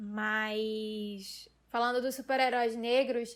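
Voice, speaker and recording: A woman with a regional Brazilian accent speaks at a high pitch. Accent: noticeable regional Brazilian. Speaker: podcast co-host. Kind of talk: casual podcast chat.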